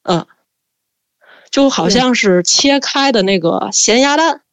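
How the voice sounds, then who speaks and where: A woman telling a spooky family story in a lively, chatty way, drawing out her fillers. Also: a little high, slow pace, no room sound. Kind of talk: casual spoken storytelling.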